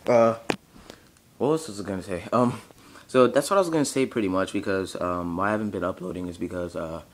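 Young male vlogger, lowish, sleepy morning voice, hesitant and filler-heavy, camera mic in a bedroom. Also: fairly quick, a little hiss or hum. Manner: rambling, hesitant, many fillers. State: groggy morning voice, just woke up. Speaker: channel owner. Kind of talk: casual vlog. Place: bedroom at home.

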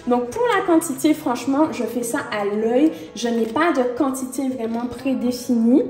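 Young woman vlogger, high voice, casual cooking chat, roomy echo. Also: normal speed, faint music behind. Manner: chatty and relaxed, with frequent fillers and small laughs. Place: home kitchen.

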